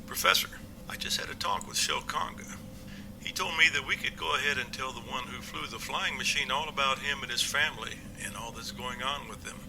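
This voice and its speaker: A man's voice: mid-range voice, fairly quick, noisy background, natural voice. A man playing a plainspoken, confident police captain in an amateur audio drama, homespun and matter-of-fact.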